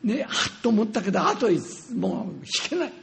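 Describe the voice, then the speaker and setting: An older man telling a personal story in a sermon, animated and acting out scenes with sound words. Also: sits high, moderate pace, vocal fry. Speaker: preacher.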